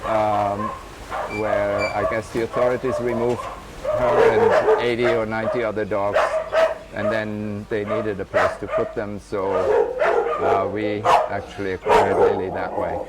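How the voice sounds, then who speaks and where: Man, fairly low voice, slow and halting, tour guide, noisy outdoor yard with barking dogs. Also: level tone. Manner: hesitant, many fillers. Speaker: rescue center guide. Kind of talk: walking tour explanation. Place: outdoor animal rescue center with dogs.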